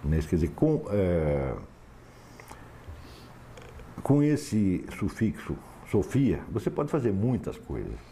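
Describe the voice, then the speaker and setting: Sardonic man lecturing, deep and lively. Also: unhurried, a little hiss or hum. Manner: emphatic, sardonic, asks "tá certo?" for assent. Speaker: philosophy lecturer. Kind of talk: lecture to a class.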